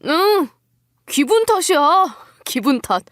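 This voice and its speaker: A woman's voice: sits high, big pitch swings, slow pace, no echo, studio quality, heavily acted. A woman voicing a two-faced husband in an audio drama, wheedling and soothing with feigned innocence. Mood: dismissive, evasive. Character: two-faced adult husband, falsely caring and dismissive. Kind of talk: dramatised audio story acting.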